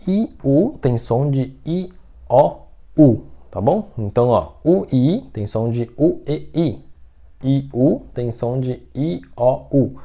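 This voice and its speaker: A man's voice: medium pitch, lively intonation, slow, mellow, highs cut off. A man teaching an online language lesson, patiently repeating each word and often checking that the listener is following.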